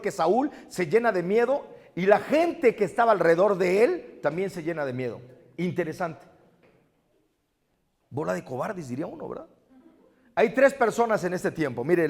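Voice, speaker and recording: A man giving a lively storytelling sermon, often questioning his audience. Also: high-pitched. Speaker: parish speaker. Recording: long reverb of a big hall.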